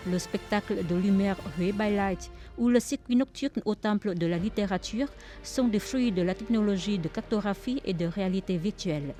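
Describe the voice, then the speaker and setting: A woman narrating a French-language news report in a measured, even read. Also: mid-range voice. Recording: voice-over with clear music behind.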